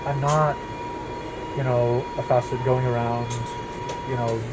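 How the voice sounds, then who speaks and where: Reflective man, mid-pitched, noisy recording. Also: level tone. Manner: measured, reflective, pauses mid-sentence. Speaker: interview guest. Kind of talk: casual conversational interview. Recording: noisy, air conditioning and vehicle rumble.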